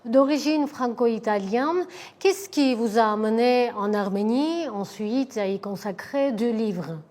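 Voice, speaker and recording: A woman's voice: a little high, a little slow, a little mellow. A woman hosting an interview, reading a formal scripted introduction before asking questions. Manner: formal, composed delivery. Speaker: interview host.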